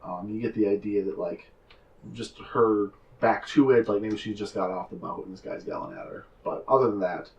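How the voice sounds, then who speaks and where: A man running a tabletop game as game master, describing scenes with many pauses and fillers. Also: lowish voice, darkish tone, far from the mic, dull audio, a little hiss or hum. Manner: hesitant, filler-heavy describing.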